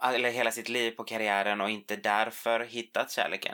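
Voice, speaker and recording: A man with a bright, sharp tone talks fairly quickly at a fairly low pitch. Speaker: podcast host. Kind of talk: casual chat. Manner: animated.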